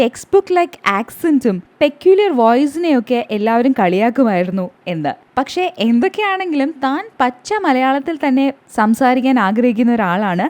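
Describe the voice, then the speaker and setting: A woman speaks at a high pitch with very wide pitch swings. Noticeable background noise runs behind her. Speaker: entertainment news presenter. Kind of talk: entertainment news voice-over.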